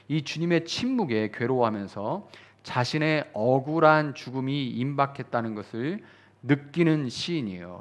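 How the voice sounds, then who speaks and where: A man in the pulpit gives a midweek prayer-meeting sermon. His voice sits at an ordinary middle pitch. He talks in an easygoing, conversational way, acting out quoted prayers and rising to fervent emphasis. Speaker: pastor.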